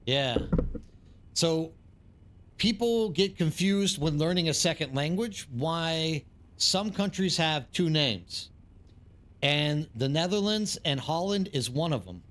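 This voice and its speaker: A man's voice: fairly high pitch, a bit bright. A man from East Texas with an American accent, chatting casually and ramblingly with viewers as he streams a game. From East Texas, United States. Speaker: live streamer. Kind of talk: casual chat with livestream viewers while gaming.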